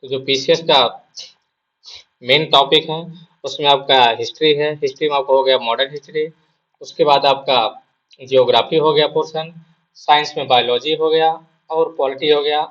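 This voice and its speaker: A man's voice: on the high side, steady tone, moderate pace, fairly bright tone, highs cut off. A male exam prep teacher with a sore throat gives a casual spoken lesson, repeating his points and asking and answering his own questions.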